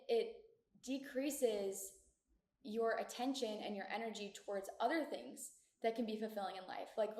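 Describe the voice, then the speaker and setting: A young woman in her twenties chats through a solo podcast episode in a bright, fairly high voice, upbeat and full of filler words. She's recorded in a shared community room in her apartment building, so the sound bounces around with a noticeable echo. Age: 20s. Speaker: podcast host. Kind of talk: casual solo podcast chat. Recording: echoey room.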